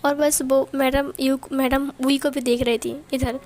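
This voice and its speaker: High-voiced woman retelling a story. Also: little pitch movement, unhurried, darkish tone, soft background music. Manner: chatty, explanatory. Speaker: story narrator.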